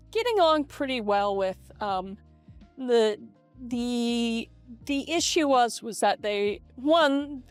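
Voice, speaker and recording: A middle-aged American woman talking candidly and hesitantly in a casual vlog, her voice run through a voice changer. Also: on the high side. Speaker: vlogger. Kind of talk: casual confessional vlog to camera. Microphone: webcam setup at a computer. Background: lo-fi game music.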